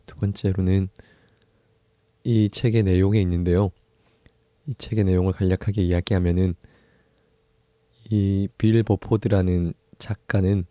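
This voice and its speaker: A young man hosting his own book podcast, talking in an easygoing, soft-spoken way with pauses and small laughs. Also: deep voice, no room sound. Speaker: podcast host. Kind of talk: casual solo book podcast talk.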